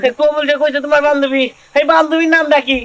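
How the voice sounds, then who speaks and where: A man's voice: extremely high pitch, flat delivery, fast talker, fairly bright tone. A man playing a wailing jilted young groom. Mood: complaining. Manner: whiny, lamenting. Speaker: actor in a village comedy short film. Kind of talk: rural comedy drama acting.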